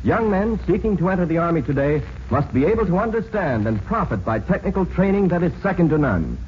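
Animated 1940s radio announcer, a man. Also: fairly high pitch, fairly quick, slight background noise. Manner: formal, emphatic. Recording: muffled 1940s radio recording.

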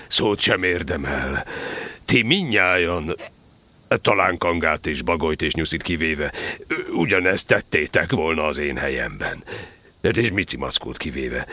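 A man acts out a gloomy donkey with a very low voice, close and dry. He is mournful and pompous, with big swings of intonation, as in a children's audio play. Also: bright, forceful tone, no echo, full character voice. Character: gloomy, self-important male donkey. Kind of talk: audio drama acting of children's story.

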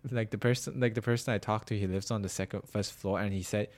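A young man from Malaysia telling a story in casual chat, animated and full of "like", with bursts of loud laughter. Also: fairly low pitch, fast.

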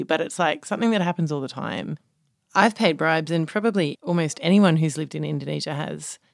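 A woman reporter narrating a documentary podcast in a calm first-person storytelling manner. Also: low-pitched, vocal fry, no echo, clean studio sound. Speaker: reporter and co-host.

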